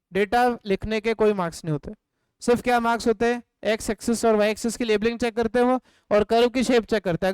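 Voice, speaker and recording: A man teaching a live economics class in a notably high, smooth voice. He keeps firing questions at his students and makes them answer back in chorus. The sound is dry and close. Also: a little mellow, no echo. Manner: drills points with call-and-response. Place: classroom or home studio.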